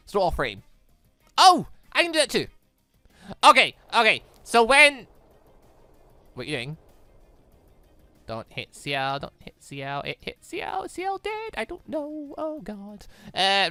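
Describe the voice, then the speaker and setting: A gamer giving casual let's play commentary, muttering moves and thinking out loud. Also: medium pitch, no room sound. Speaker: gaming video host.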